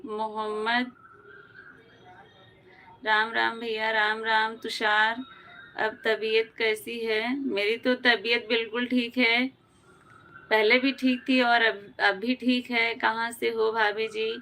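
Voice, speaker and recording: Bright-voiced woman hosting a live chat. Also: fairly high pitch, flat delivery, slow pace, rough recording. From Uttar Pradesh, India. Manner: chatty, greets viewers by name and answers their comments. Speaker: live stream host. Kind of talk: casual live chat reading viewer comments.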